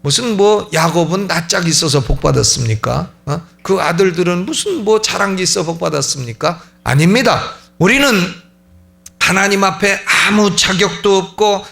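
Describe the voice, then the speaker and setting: A middle-aged man preaching a sermon in a church, animated and acting out the prayers he quotes. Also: sits high, moderate pace, creaky. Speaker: pastor. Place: church sanctuary.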